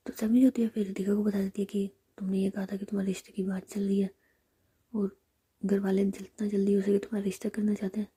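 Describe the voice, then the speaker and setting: Breathy whispering woman storyteller. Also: mid-range voice, flat delivery. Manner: soft, unhurried narration. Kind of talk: whispered role-play.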